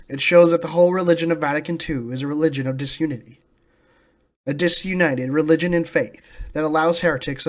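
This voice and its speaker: A man with an American accent and a somewhat high-set voice delivers religious commentary from a script. His delivery is solemn and declarative, with emphatic stress on his claims. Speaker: host of a religious commentary channel.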